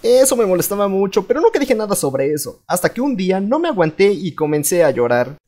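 A young man with a Latin American Spanish accent narrating a comedic cartoon storytime with an animated, playful delivery. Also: high voice, brisk. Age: young adult. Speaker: fandub narrator.

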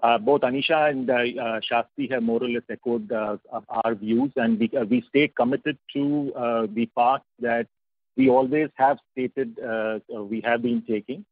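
Man, Indian accent, halting, company executive, phone-like line, no room echo. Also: medium pitch, steady tone. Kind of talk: earnings call remarks. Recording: thin, dry phone line.

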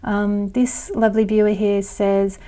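A woman's voice: mid-range voice, little pitch movement, unhurried, warm tone. A woman in her thirties with an Australian accent tinged by American and English, chatting casually to camera from her living room on a lapel mic. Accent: Australian with some American and English. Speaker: astrology channel host. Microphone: clip-on lapel mic.

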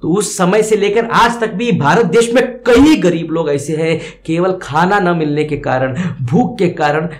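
A man's voice: high voice, a little slow, few pauses. A man, a Hindi teacher, explains a poem line by line, repeating words and glossing each one, in an echoey room.

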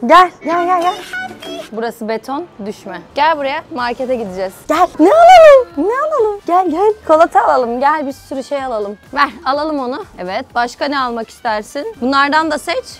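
Speaking briskly in a high, expressive and somewhat bright voice, a young woman films an outdoor vlog while playing with a toddler at a playground. She coaxes the child in sing-song baby talk and laughs a lot, with soft music underneath.

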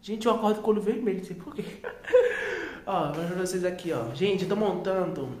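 A woman's voice: medium pitch, very animated, fairly quick, darkish tone. A woman with a São Paulo accent, talking casually to her phone camera at home, rambling with many fillers and restarts. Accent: São Paulo Portuguese. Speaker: vlogger. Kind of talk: casual chatty vlog. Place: at home indoors.

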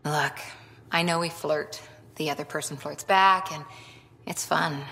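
An earnest soldier, low and gravelly. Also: female voice, steady tone, measured pace, pushed and bright, heavily acted. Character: human woman soldier, loyal, self-doubting lieutenant. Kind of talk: video game voice acting.

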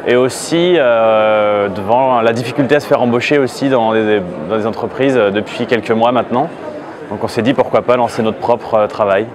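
A man's voice: medium pitch, normal speed. Hesitant young man amid crowd noise. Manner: hesitant, many fillers. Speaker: trade fair visitor. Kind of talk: street interview. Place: busy indoor exhibition hall. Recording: busy crowd noise behind. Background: crowd chatter.

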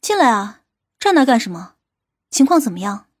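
A woman plays a stern female police squad leader in an audiobook drama. Her voice is high, and she speaks in a commanding, sharp-tongued, scolding way. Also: very animated, normal speed, husky, dry recording, studio quality. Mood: assured. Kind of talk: acted audiobook dialogue.

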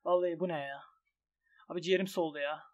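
An excitable young man with a high, light voice talks through his online bets as a gaming YouTuber. He mutters low when things go badly and yells when they go wrong. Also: quick pace. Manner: excitable, swings from grumbling to shouting at losses. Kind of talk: commentary on an online gambling site.

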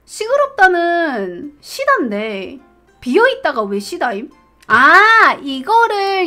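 Young female streamer, high, bright voice, reads questions aloud and thinks through them, faint music underneath. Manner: reads questions aloud, puzzles over answers, laughs often. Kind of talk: casual live-stream quiz commentary.

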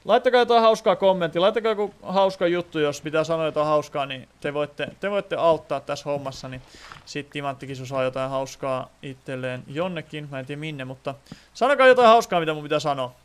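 A man's voice: a little high, clear, resonant tone. Chatty young man streaming a game. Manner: chatty, thinks aloud, reads chat comments. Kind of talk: casual gameplay commentary.

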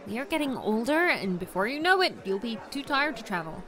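A woman in her twenties playing a lively, teasing young influencer friend in an audio drama, with music under her voice. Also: fairly high pitch, brisk, a crowd in the background. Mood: chatty.

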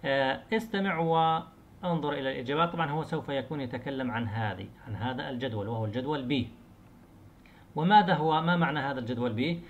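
A male teacher walks students through an English lesson, explaining in Arabic and then reading English phrases out slowly and carefully. He repeats single words several times to model their stress, with a faint hum of ambience behind him. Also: medium pitch, dull audio. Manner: switches between Arabic explanation and slow English examples.

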